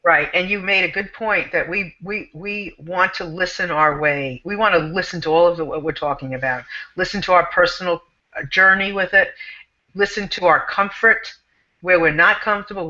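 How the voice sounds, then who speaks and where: A woman's voice: on the low side, moderate pace, pushed and bright, muffled recording. A woman hosting a casual panel talk, emphatic and repetitive, running phrases together. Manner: emphatic, repeats herself, runs phrases together. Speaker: host.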